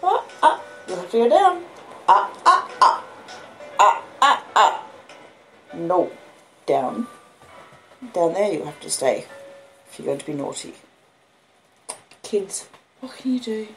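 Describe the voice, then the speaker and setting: A woman's voice: mid-range voice, big pitch swings, slow, long pauses, fairly bright tone, soft background music. A woman in her fifties with an Australian accent, chatting casually and reading aloud at home in a homely, chatty way. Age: 50s. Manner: chatty, breaks off to talk to pet dogs. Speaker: host reading a classic novel aloud to listeners. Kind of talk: casual homely chat and audiobook-style reading. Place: at home indoors with dogs.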